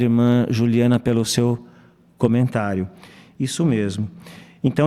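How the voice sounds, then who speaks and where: A man with a mid-range voice leads a congregation Bible study. He speaks hesitantly, pausing often. The sound carries a long hall reverb. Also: mid-range voice, a little mellow. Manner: hesitant, with fillers and pauses. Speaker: study conductor.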